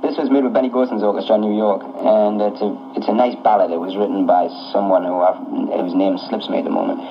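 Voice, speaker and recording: The speech comes at a very fast pace against noticeable background noise. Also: man. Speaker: rock singer. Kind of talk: radio interview answer. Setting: radio studio, off-air tape recording.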